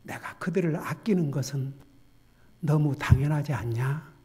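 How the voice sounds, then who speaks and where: A stern, fatherly God scolding in a husky, unhurried voice, as a male pastor puts him on. Weighty and low, with a reproving sermon-story tone. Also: a little mellow.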